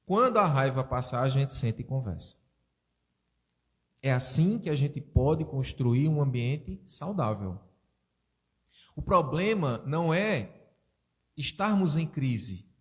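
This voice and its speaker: A man giving a spiritist sermon, telling stories and asking his audience rhetorical questions. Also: fairly high pitch. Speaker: spiritist lecturer.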